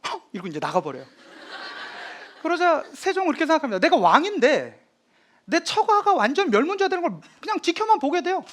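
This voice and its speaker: A man lecturing on history, retelling drama scenes in a lively storytelling manner. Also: very high-pitched, fast, slight background noise.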